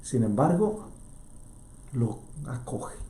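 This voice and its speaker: A man preaching a sermon as a priest, fervent and swinging from loud to hushed. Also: mid-range voice, sing-song, slow, reverberant.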